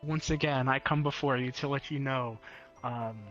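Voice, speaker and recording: A man's voice: medium pitch, steady tone, normal speed, a bit bright, dull audio, soft background music. A man narrating a roleplay scene as game master, in a formal announcing tone.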